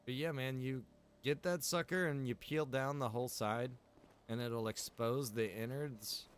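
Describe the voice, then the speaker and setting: A man's voice: medium pitch, steady tone, measured pace, smooth. An American man, a video game streamer, chatting casually during gameplay in a rambling, slangy, informal way with some mild swearing. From Pennsylvania, United States.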